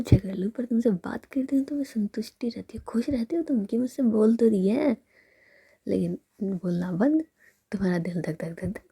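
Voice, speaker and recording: A smug, teasing young woman who sulks on purpose to win her partner back, as a woman whispers her lines. The whispered role-play sounds husky and dark, with a gravelly edge. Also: fairly high pitch, heavily acted. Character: sulky, teasing young woman, proud lover.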